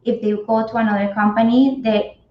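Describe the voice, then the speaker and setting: A fairly high-voiced woman from Colombia talks earnestly through her answers, circling back and repeating words as she goes. Her voice comes through a dull, muffled video call from an echoey room. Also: steady tone, a little fast. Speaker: cannabis company HR guest. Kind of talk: interview answers. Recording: echoey, dull remote audio.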